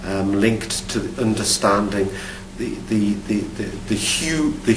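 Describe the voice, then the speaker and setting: A middle-aged Geordie man speaks in a lowish voice, answering interview questions about his field with thoughtful pauses and repeated false starts. He sits in a studio with a dark backdrop, caught by a mic set some distance away. The sound is roomy and carries a faint hum. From Newcastle upon Tyne, England. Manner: thoughtful, many restarts and repeated words. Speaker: archaeology professor.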